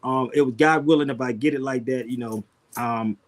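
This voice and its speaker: A man's voice: mid-range voice, brisk. A man telling loose, joking stories full of slang on a casual video call. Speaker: guest.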